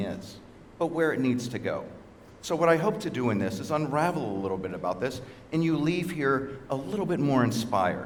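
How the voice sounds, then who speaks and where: Using lively intonation, a man with a Texan accent talks at a fairly quick pace amid audible room echo. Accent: American, Texan. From Texas. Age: 40s. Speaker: digital construction expert, conference speaker. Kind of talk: conference talk. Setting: stage with audience. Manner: fast; animated.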